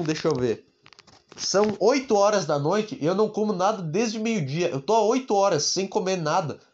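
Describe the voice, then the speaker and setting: A man with a high-pitched voice runs a rambling solo podcast monologue, sarcastic and casually profane. He is recorded at home on a dull, lo-fi mic. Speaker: podcast host. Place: room at home.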